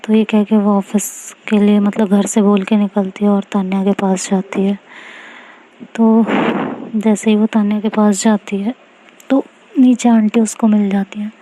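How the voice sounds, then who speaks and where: A woman's voice: medium pitch, little pitch movement, measured pace, dark tone, a little hiss or hum, low-quality recording. A woman narrating a love story in a loose, chatty, conversational way. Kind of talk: casual spoken story narration.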